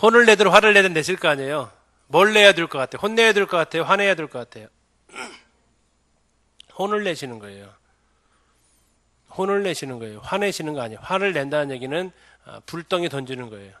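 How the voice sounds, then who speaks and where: A middle-aged man teaching a church seminar in a bright, ringing voice pitched a little high. He keeps turning to the listeners with questions and answers them himself. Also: expressive, fairly quick. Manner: asks the audience many questions. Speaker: pastor.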